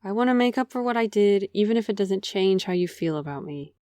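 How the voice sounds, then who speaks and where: A woman plays a privileged, lovelorn official in an audio drama, polite and apologetic. The voice sits at a middle pitch, formal and earnest, recorded close and dry. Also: animated, fairly quick, dark tone, no room sound, natural voice. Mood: earnest, pleading.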